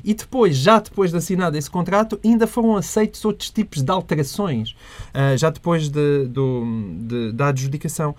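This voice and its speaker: A man with a European Portuguese accent, speaking on a radio panel. He stammers and restarts, then builds to emphatic points. His voice sits a little high. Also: moderate pace, darkish tone. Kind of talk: casual debate chat.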